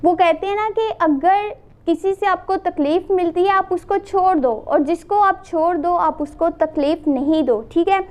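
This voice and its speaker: A high-pitched woman gives a relaxed tarot reading, her throat a little hoarse. She speaks right to the viewer, rattling off lists and repeating her phrases as she goes. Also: normal speed. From Pakistan. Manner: addresses the viewer directly, repeats and lists phrases, mixes in English. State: sore throat, slightly hoarse. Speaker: tarot reader. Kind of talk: casual monthly tarot reading to camera.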